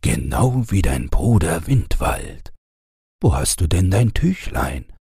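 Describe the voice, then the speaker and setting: Man playing a playful father, husky and animated. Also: low-pitched, slow, no room sound, clean studio sound, full character voice. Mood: gently chiding. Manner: calling out, gently chiding. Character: playful, fond father calling to his children.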